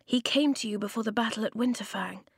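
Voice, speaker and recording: A woman's voice: fairly high pitch, expressive, a little slow, slightly rough, no room sound, clean studio sound, pitched above the performer's own voice, heavily acted. Woman doing a brave young girl wanderer. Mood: earnest.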